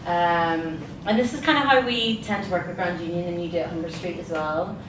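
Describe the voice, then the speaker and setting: A woman hosting an informal exhibition tour, talking in a relaxed, conversational, slightly hesitant way. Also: lowish voice, a little fast. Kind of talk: informal public talk. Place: indoor gallery space. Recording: echoey room, distant mic, noisy.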